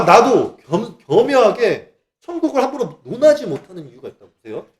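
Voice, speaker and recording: A man ranting about faith in a sarcastic, mocking monologue. His voice sits high and swings widely in pitch. He is animated throughout. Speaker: religious channel speaker.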